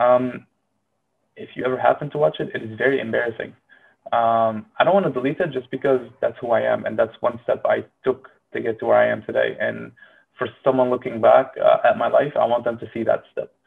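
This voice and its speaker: At a fairly quick pace, a man speaks with a Syrian accent. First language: Arabic. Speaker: solo podcaster / video diarist. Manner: halting, filler-heavy, casual.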